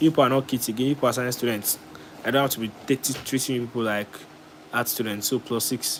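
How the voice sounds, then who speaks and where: Medium-pitched male voice with fairly even intonation amid noticeable background noise. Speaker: chemistry tutor. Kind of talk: livestream lesson. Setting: livestream. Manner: fast.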